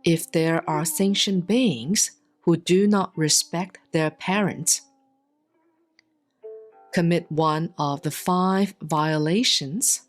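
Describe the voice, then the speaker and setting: A woman reads a Buddhist sutra aloud in a solemn, scripted style, with measured, deliberate enunciation and long pauses. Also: on the low side. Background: instrumental music.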